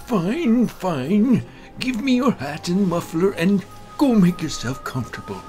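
Man playing a high-pitched, emphatic old gentleman. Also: sing-song, a little slow, faint music behind. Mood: hearty, welcoming. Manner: emphatic, theatrical, repeats himself. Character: elderly male doctor friend, genial, insistent, argumentative host. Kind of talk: dramatized horror story reading.

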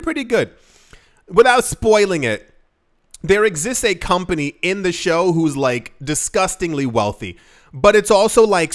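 A man with a high voice talks straight to camera in a casual vlog. He is earnest and emphatic, circling his point with constant fillers and false starts, speeding up and slowing down as he presses on. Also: fairly bright tone. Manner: rambling, many "like" fillers and restarts; earnest, emphatic, shifts pace often. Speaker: crypto investing vlogger.

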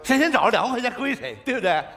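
A man's voice: very high voice, lively intonation, racing, vocal fry, a bit bright, faint music behind. A man in a stage comedy sketch, sly and stammering, wheedling his way along. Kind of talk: northeastern comic sketch. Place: stage before a live audience. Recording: noisy stage recording.

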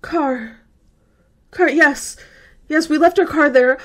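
A woman playing a hysterical young college girl in a radio horror drama, gasping out halting, repeated pleas for help. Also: high-pitched. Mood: hysterical pleading. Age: young adult. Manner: frantic, gasping, halting and repetitive. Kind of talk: amateur radio horror acting. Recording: noisy home-recorded radio drama.

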